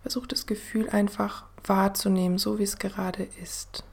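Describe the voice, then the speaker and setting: A woman host guiding a meditation in the soothing manner of a sleep story narrator, gentle and unhurried, with a soft, breathy voice that often drops to a near-whisper. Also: mid-range voice, little pitch movement. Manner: gentle, unhurried, with long pauses. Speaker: podcast host and meditation guide.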